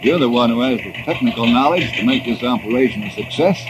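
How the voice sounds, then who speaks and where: An actor playing a steady, kindly forest ranger in a 1950s radio drama, earnest and encouraging. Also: male voice, mid-range voice, fast talker, close to an everyday voice. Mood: modest. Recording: hissy old radio transcription.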